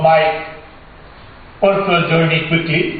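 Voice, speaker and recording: Amid noticeable background noise, a man with a high voice speaks in a flat monotone. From India (Orissa, raised in Gujarat). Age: 70s. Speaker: conference speaker. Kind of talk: keynote speech.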